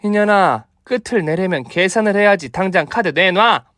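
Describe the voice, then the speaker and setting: A feisty older mother in a comic radio drama, acted out by a man, pitched well up in a dry close sound. She is bossy and vengeful, throwing out bombastic martial-arts threats like the tough owner of a chicken restaurant. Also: expressive, normal speed, fairly bright tone, dry recording. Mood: bossy, threatening.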